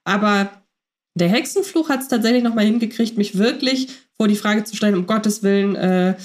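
A woman's voice: mid-range voice, normal speed. A woman co-hosting a casual fan podcast, reflecting in long winding sentences full of fillers. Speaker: podcast co-host.

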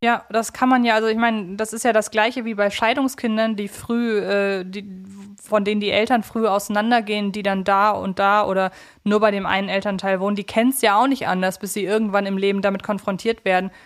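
A woman's voice: mid-range voice, flat delivery, a little fast. A woman in her thirties talking as a podcast co-host, thinking aloud in long, winding, reflective sentences. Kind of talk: conversational podcast discussion.

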